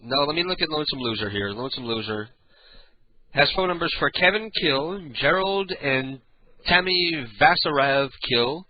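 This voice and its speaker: An older man with a raspy, booming voice and clogged sinuses hosts a casual, profane late-night radio talk show. He rambles through stories and keeps clearing his throat. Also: lively intonation, normal speed, muffled recording.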